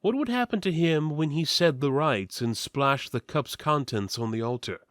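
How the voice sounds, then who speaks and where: A man gives a dramatic reading of epic fantasy. He is solemn and theatrical, leaning on key words with a very animated pitch. The recording is dry and close. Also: dry recording. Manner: theatrical, solemn, deliberate emphasis. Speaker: story narrator.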